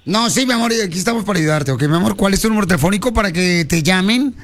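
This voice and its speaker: A man running a lively radio interview. He keeps joking and teasing, calls the guest "hermosa", and his voice sits high for a man. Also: very fast. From Mexico. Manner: playful, teasing, calls the guest pet names. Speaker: radio show host.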